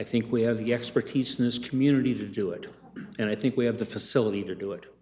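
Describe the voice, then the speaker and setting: A man at a medium pitch, fairly even in intonation, at a very fast pace, with noticeable background noise. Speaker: airline pilot, board applicant. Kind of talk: public meeting statement.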